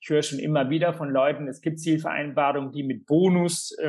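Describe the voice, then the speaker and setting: Fairly even intonation marks this man's voice, which has a fairly high pitch. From Sri Lanka, moved to Germany as a child. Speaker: heart surgeon and book author. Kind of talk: interview. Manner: hesitant, many fillers.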